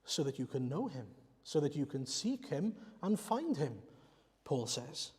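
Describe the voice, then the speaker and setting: A man's voice: on the high side, sing-song, a little slow, darkish tone, husky. A man from Wales, a Welsh speaker, preaching a sermon in an earnest, explanatory way and putting rhetorical questions to the congregation. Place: church. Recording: reverberant church hall.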